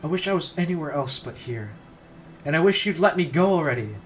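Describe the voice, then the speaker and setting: A man's voice: mid-range voice, normal speed, close to an everyday voice. A man voicing a despairing teenage schoolgirl on a rooftop ledge, pleading and stumbling over the text, over background noise. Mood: upset.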